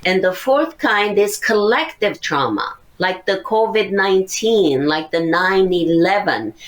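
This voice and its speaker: A woman's voice: medium pitch, lively intonation, unhurried. An older woman psychotherapist, earnestly explaining kinds of trauma step by step in a podcast interview. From Syria. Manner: earnest, explanatory, lists points methodically. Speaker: psychotherapist guest.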